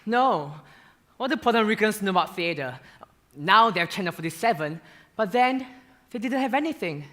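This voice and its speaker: A young man acting a stage monologue as a gay male dancer who haltingly confesses his painful past in a theater. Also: high-pitched, animated, pushed and bright. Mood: hesitant. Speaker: student actor in a stage musical.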